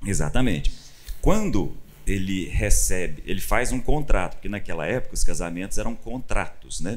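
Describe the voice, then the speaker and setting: A male pastor with a Brazilian Portuguese accent teaches the Bible in conversation, telling the story with animated bursts and acting out quoted lines. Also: low voice.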